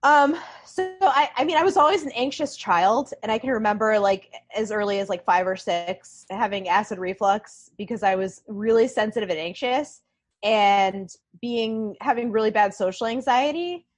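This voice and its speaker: Woman, podcast guest, bubbly, chatty, casual talk. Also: mid-range voice. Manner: bubbly, chatty, quick asides. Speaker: podcast guest, nonprofit founder.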